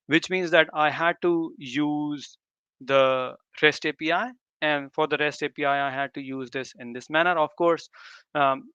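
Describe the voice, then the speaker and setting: A man's voice: a little high, a bit bright, clean tone, no echo, muffled recording. A man whose native language is Urdu gives an informal live tech demo, often repeating and rephrasing himself. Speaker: tech presenter. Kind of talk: live demo talk to developers.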